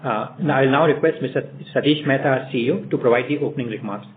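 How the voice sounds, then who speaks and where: Indian guy hosting a company call, reading quick, narrow phone sound with slight noise. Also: mid-range voice. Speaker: corporate executive, call host. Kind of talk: scripted earnings call introduction.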